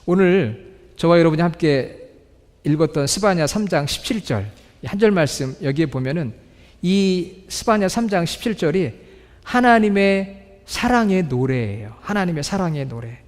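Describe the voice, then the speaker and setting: A man preaching a sermon to his congregation, asking them questions and reading scripture slowly. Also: on the high side, expressive, darkish tone. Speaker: pastor. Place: church sanctuary. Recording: reverberant church hall.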